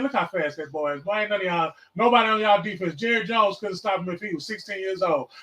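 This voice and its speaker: Man in his 40s, podcast host, high voice, loud excitable outbursts, profane slangy preaching. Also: rough recording. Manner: profane, slangy, calls out viewers. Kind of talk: casual preaching and chat. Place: livestream, home setup.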